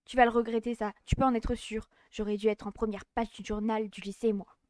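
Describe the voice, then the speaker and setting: A woman's voice: a little high, fairly even intonation, a little fast, no echo, natural voice. A haughty teenage girl snaps and threatens in a raised, biting voice. A woman puts her on. The voice sounds close and dry. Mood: spiteful. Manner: sharp, scolding, threatening. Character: spiteful, bossy teenage schoolgirl rival.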